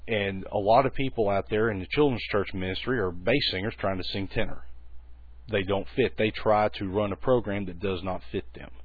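Man with a low bass voice, husky, folksy teaching tone, dry tinny recording. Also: steady tone, moderate pace, dry recording. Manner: folksy, conversational, many restarts. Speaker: children's ministry teacher.

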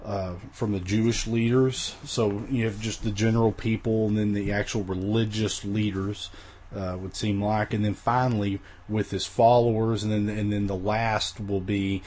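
A man with a lowish, husky voice teaching a recorded Bible lesson. He talks in a casual, rambling way, full of fillers and restarts. His voice sounds weak, as if he is getting over the flu. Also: level tone, normal speed, darkish tone.

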